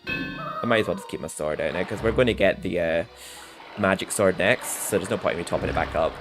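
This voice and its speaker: Low-voiced man rambling over game music. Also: brisk. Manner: rambling, chatty, laughs to himself. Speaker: gaming streamer. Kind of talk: casual gameplay commentary. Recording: game music playing underneath.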